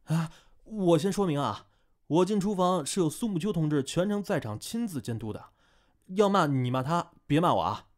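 A man's voice: on the high side, expressive, normal speed, natural voice. A man playing a laid-back, teasing young man in an audio drama, drawling and playfully sardonic. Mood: defensive. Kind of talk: fan audio drama acting. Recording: music behind the voice.

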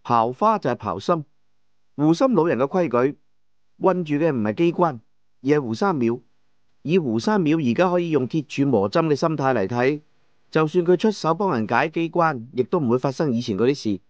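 A man with a Cantonese accent narrating a novel in the first person, in an expressive, dramatized storytelling manner. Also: a little high, fairly quick, no room sound, lo-fi sound. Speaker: audiobook narrator.

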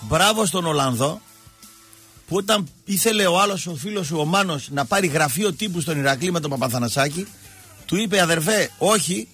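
Man, high pitch, sharp bright tone, husky edge, heated sing-song sports rant, faint music behind. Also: expressive. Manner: ranting, sing-song, stammering. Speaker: football pundit.

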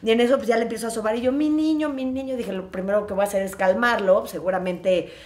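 A woman with a Mexican accent telling a family story to her viewers in a casual, animated way. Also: mid-range voice, quick pace. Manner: animated, expressive, acts out scenes. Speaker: vlogger.

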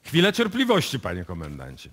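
An actor playing a methodical, probing police inspector in a live radio play. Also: male voice, medium pitch, huge pitch swings, a bit bright, husky, heavily acted. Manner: deliberate, probing.

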